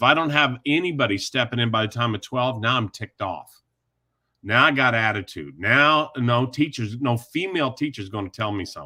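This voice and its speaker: With a normal speaking voice, the man talks at a moderate pace and medium pitch, with ordinary pitch variation. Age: 60s. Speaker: guest speaker on fatherlessness. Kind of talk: casual talk show discussion.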